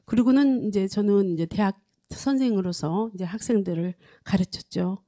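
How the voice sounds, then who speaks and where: A woman in her sixties from South Korea gives a personal testimony in an earnest, halting way, repeating phrases as she goes, speaking into a handheld microphone. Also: mid-range voice, dark tone. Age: 60s. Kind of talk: personal testimony at a prayer meeting. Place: indoor studio set, standing at a lectern. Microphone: handheld microphone close to mouth.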